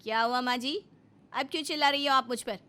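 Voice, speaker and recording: A woman voicing a bossy, sharp-tongued young wife in a cartoon story, snapping back with shrill retorts. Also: steady tone, quick pace, clean tone, soft background music.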